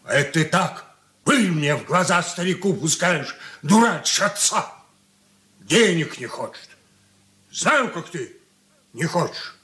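An actor playing an aging stern merchant father in a radio drama, talking in a slow, heavy, brooding way. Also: fairly high pitch, expressive, pushed and bright, full character voice. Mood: scolding. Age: older. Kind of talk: 1980s studio radio drama acting.

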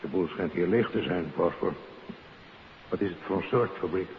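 Vintage drama: authoritative Dutch officer, bass and rough, long echo, dull hissy radio sound. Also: male voice, moderate pace. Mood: cautious, grave. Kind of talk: 1950s radio play acting. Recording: echoing, muffled, hissy 1950s radio recording.

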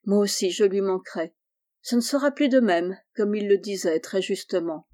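A woman's voice: medium pitch, normal speed, a little mellow, close to an everyday voice. Woman reading a tender, devout lady. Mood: wistful. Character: tender devout lady musing with fond regret.

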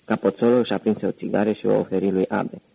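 A man narrating a crime novel audiobook in a measured, even reading. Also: on the low side, gravelly, husky, no echo, low-quality recording.

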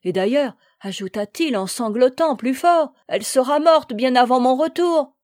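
A desperate seven-year-old boy begs through sobs in a storybook tale, as a woman reader puts him on. The voice sits high and pushes out loud and urgent, recorded close and dry. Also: unhurried, no echo, lightly acted. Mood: pleading. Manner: pleading, sobbing.

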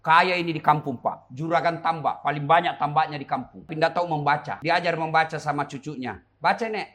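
A man's voice: a little high, steady tone, fairly quick, a bit bright. A middle-aged man, preaching a humorous sermon to young people with joking asides and rhetorical questions.

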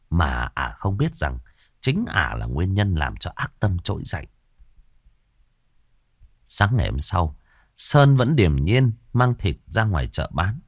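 Expressive man narrating a horror story. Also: low-pitched, breathy edge, dry recording, studio quality. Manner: expressive, swinging dramatic delivery.

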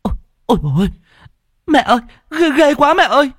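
A man's voice: fairly high pitch, lively intonation, moderate pace, darkish tone, breathy edge, pitched above the performer's own voice. A man voicing a frightened, stammering young woman in a ghost story. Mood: terrified. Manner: stammering, panicky.

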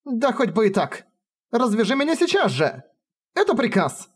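A high, frantic young lieutenant girl, played by a man shrieks and begs in a voice that leaps all over. She is emotional and commanding by turns. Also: wildly swooping pitch, moderate pace, slightly rough, heavily acted. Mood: pleading, bossy.

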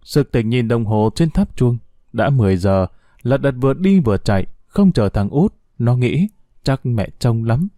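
A man narrates a heartfelt, sorrowful story, his voice moving freely up and down. The tone is dark and mellow. It sounds close and dry. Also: medium pitch, no room sound. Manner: slow, expressive, heartfelt.

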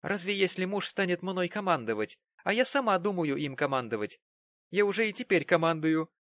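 A man's voice: high-pitched, big pitch swings, a little fast, a bit bright, no echo, pitched above the performer's own voice. A man putting on a mocking, giggly young woman. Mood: coy. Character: teasing, willful young woman.

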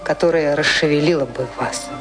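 An actress in a radio play playing a frank, caring working girl who speaks earnestly and plainly, gently scolding. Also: low-pitched, a little fast, close to an everyday voice. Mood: worried reproach. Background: music.

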